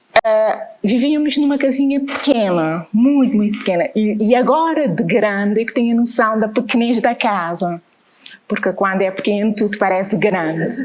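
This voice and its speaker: A woman with a fairly high pitch and lively intonation talks at a moderate pace while noticeable noise runs underneath. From Cape Verde, grew up between Praia, Santo Antão and Mindelo. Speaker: storyteller. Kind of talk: personal storytelling talk at a festival. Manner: halting, with frequent restarts.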